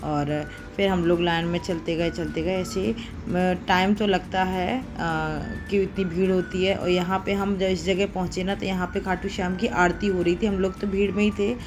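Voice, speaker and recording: A woman's intonation stays fairly even. Music can be heard behind her. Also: medium pitch for a woman. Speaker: vlogger. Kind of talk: casual vlog narration. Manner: slow. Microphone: badly set mic, crackling.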